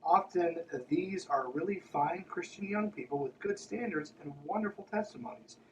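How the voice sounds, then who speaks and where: A man's voice: high-pitched, moderate pace, distant mic, a little hiss or hum, rough recording. A man hosting a podcast, reading aloud and breaking in with mocking, irreverent, conversational asides. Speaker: podcast host.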